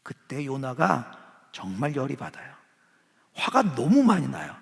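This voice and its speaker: Gravelly pastor preaching in a reverberant hall. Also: male voice, mid-range voice, huge pitch swings, unhurried. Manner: conversational, asks the audience questions. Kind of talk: sermon. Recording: long church-hall reverb.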